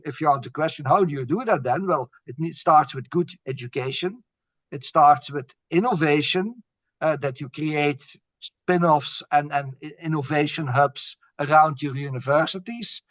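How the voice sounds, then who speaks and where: A man's voice: on the high side, no echo. A middle-aged man, a bank strategist, answering interview questions earnestly and often repeating words as he searches for them. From Belgium. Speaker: bank chief strategist, guest.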